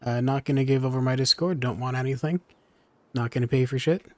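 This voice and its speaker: A man chatting casually as he livestreams a game, informal and thinking out loud. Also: mid-range voice, steady tone, brisk, no room sound. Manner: informal, chatty, muses aloud. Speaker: game streamer. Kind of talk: casual livestream chat over gameplay. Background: game music.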